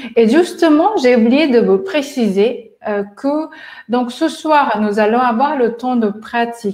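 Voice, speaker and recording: A woman with a Japanese accent speaks at a very slow pace in a fairly high pitch, against a quiet background with audible room echo. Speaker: yoga teacher and coach. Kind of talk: workshop talk with guided exercises. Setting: video call. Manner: halting. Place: home room. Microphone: lapel.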